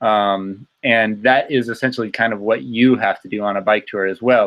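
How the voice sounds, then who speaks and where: An American accent marks a man with a normal speaking voice, medium pitch and fairly even intonation. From United States. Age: 30s. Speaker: bicycle touring expert. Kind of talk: live Q&A stream. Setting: live YouTube stream. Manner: casual, many fillers and repetitions.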